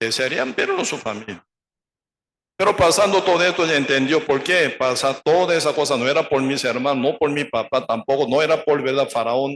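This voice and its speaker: Here a man talks at a moderate pace with a plain, everyday voice. His pitch sits fairly high. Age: 50s. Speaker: pastor. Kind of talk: sermon.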